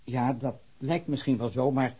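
Man doing a stiff evasive ex-con in a radio play, dark husky voice, precise answers, dull recording. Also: medium pitch, fairly even intonation, moderate pace, lightly acted. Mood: defensive, evasive. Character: evasive, formal ex-convict villager under police questioning. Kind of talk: naturalistic Dutch radio drama acting.

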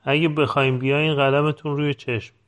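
A man's voice: a little high, little pitch movement, a bit bright, pitched above the performer's own voice, lightly acted. Give me a plain-spoken, polite rural donkey driver, as a male narrator puts him on.

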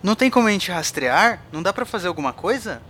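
An actor with a Brazilian accent playing a concerned, hopeful ship's crew member in an audio drama. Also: male voice, sits high, big pitch swings, fast talker, pushed and bright, slight background noise, heavily acted. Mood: worried.

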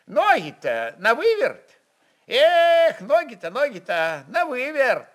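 A man's voice: very high voice, huge pitch swings, a bit bright, pitched above the performer's own voice, full character voice. A man voicing a fussy, grumbling old Cossack horse expert with picky, folksy talk in a dramatized reading. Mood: animated grumbling. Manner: slow, picky, folksy exclamations.

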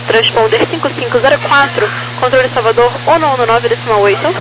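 A highish-voiced Brazilian woman speaks as an air traffic controller over a crackly aviation radio with clear noise and hum. She delivers clipped, procedural instructions in standard phraseology, spelling out codes with the phonetic alphabet. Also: a little fast.

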